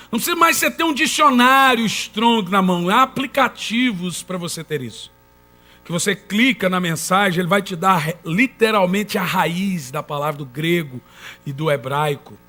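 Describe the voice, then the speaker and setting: High bright-voiced preacher. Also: male voice. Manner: emphatic preaching, calls on the congregation to answer. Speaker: pastor. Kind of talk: sermon. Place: church in front of a congregation.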